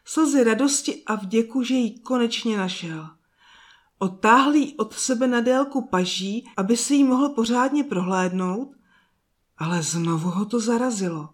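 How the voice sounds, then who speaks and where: Calm soft lady reading a kids' fairy tale, slow and gentle. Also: fairly high pitch. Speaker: storyteller. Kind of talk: scripted storybook narration.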